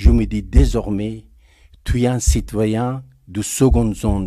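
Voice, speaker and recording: A man with a dark, mellow tone and fairly low pitch speaks very slowly with lively intonation, on a very clean recording with a silent background. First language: not French (speaking French). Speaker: social worker at citizens' meeting. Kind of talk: public testimony. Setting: community meeting room. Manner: halting.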